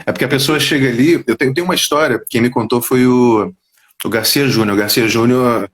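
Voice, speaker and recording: A man, a voice actor telling stories in a casual interview over a video call. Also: mid-range voice. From Brazil. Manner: quick, animated storyteller, drops into quoted voices. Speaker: voice actor guest. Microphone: headphones on a video call.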